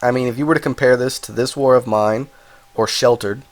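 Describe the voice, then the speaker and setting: The reviewer's mid-range voice stays steady in tone as he talks fairly quickly, nasal from a cold. His casual video game review meanders, with self-corrections and apologetic asides along the way.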